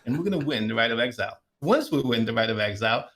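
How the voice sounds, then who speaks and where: A man co-hosting a gaming podcast who explains at length in an energetic, rambling way. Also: mid-range voice, fast talker. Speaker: podcast co-host. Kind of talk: casual podcast chat.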